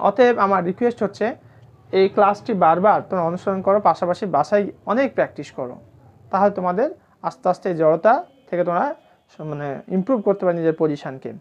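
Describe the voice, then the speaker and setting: A native Bengali-speaking woman teaching English pronunciation in a recorded lesson, slowly repeating example words and pausing with fillers. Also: medium pitch, a little mellow. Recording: dull lo-fi sound.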